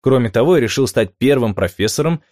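A man narrating nonfiction in a measured, clear storytelling manner, posing rhetorical questions along the way. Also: mid-range voice, lively intonation, a little mellow, no room sound, clean studio sound. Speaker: audiobook narrator.

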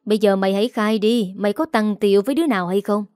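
A drunk, jealous husband sneers and hurls accusations in a spoken story, voiced by a woman reader. His tone is warm and mellow even when harsh. The sound is dry and close. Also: medium pitch, fast, clear, resonant tone, dry recording, close to an everyday voice. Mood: bitter, accusing. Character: drunk jealous bullying husband, middle-aged man.

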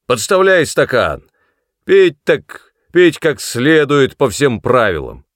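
A man voicing a crude, bullying middle-aged man who talks loudly and mockingly, with a creaky voice. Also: fairly low pitch, sing-song, a little slow, no room sound, studio quality, exaggerated voice. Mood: gruff, mocking. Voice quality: loud, gruff, mocking.

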